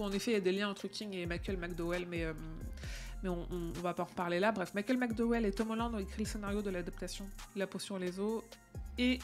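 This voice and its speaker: A woman hosting a casual live stream, chatting with viewers and using plenty of fillers and restarts. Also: medium pitch.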